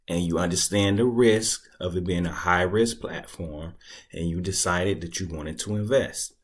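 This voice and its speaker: A man casually talking through a screen-recorded tutorial at his computer, laid-back and thinking out loud as he goes. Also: low-pitched. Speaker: crypto tutorial creator.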